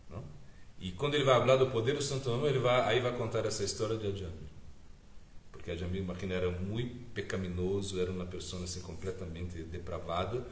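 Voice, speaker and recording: Halting, low-voiced man preaching in an echoey room. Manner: mixes Spanish words into Portuguese, halting with many fillers. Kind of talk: sermon storytelling.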